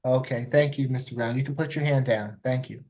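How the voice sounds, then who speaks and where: Mellow, even-toned male judge. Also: medium pitch. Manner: procedural, polite, measured. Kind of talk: formal courtroom plea questioning.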